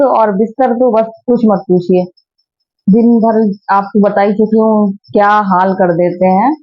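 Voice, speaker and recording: A sleepy woman in her thirties talks chattily to her viewers from her bedroom. Her voice sits a little high, and the phone recording sounds dull and lo-fi. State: sleepy and tired. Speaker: family vlogger. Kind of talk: casual home vlog narration. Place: bedroom at home.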